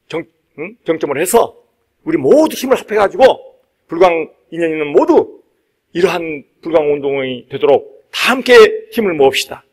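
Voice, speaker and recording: A man, a Buddhist monk, delivering a dharma talk in an emphatic, repetitive preaching manner with conversational asides to his listeners. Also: sits high. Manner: emphatic, repeats key phrases for stress. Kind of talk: sermon.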